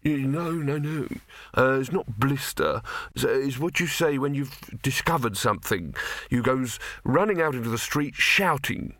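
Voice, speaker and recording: A man's voice: medium pitch, lively intonation, a little slow, a bit bright, dry recording. Man doing a dazed, stammering burnt alchemist. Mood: urgent. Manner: dreamy, stunned, stammering. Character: singed male alchemist, dazed and groping for words.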